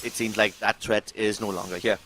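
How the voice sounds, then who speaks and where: A man's voice: lowish voice, fairly even intonation, a little fast, a bit bright, slight background noise, low-quality recording. A man working as an esports caster, giving emphatic live analysis and commentary on game action.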